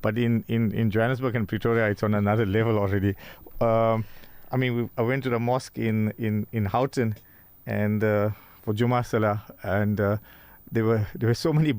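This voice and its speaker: Halting South African male radio host. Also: mid-range voice, no room sound. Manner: hesitant, many fillers and restarts. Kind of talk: casual radio interview. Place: radio studio.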